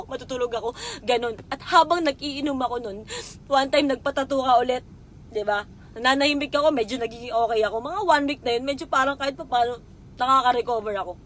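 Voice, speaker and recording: Young woman, high voice, emotional confessional vlog, swearing, faint rumble behind. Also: a bit bright. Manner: raw and emotional, swearing, addressing someone directly. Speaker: vlogger.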